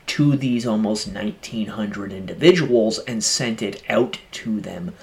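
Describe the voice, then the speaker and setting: Slow-paced male podcast narrator. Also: fairly low pitch, gravelly. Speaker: podcast host. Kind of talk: scripted narration.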